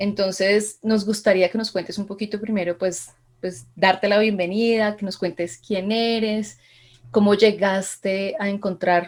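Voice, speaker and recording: It's an unremarkable speaking voice from a woman at medium pitch. She talks at a fairly slow pace. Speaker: podcast host. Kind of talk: podcast host introduction.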